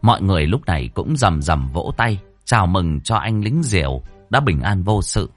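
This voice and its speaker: A man narrating a comic folk-style tale in a lively way. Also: low-pitched, normal speed, soft background music. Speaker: storyteller.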